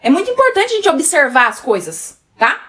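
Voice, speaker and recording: A woman's voice: sits high, wildly swooping pitch, a little fast, bright, forceful tone. A woman with a Brazilian Portuguese accent giving a casual sales lesson, chatty and full of fillers, often addressing the viewers directly. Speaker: sales trainer. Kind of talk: casual teaching talk.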